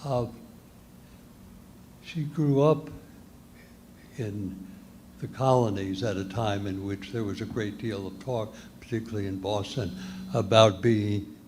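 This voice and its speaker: Male audience member posing a question; low, slow and careful. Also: a little mellow, slight background noise.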